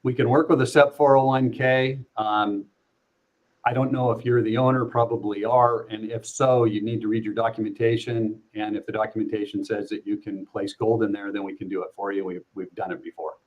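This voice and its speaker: Middle-aged guy pitching gold investing, smooth confident talk. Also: level tone, a little fast, lo-fi sound. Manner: confident, fluent sales explanation. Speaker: guest, precious metals company representative. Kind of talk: casual interview.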